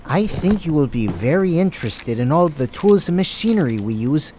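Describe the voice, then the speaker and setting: A man's voice: on the high side, sing-song, moderate pace, warm tone, slight background noise. A man playing a gloating, villainous doctor and drug-addicted schemer in an audio drama, talking in a theatrical, smug and menacing way. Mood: coolly threatening. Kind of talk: amateur audio drama acting.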